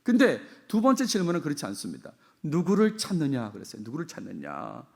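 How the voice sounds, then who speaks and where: Middle-aged male pastor, fairly high voice, very animated delivery, echoes his key lines back to the pews. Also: brisk, gravelly. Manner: expressive, repeats key phrases, asks the congregation questions. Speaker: senior pastor. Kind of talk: sermon.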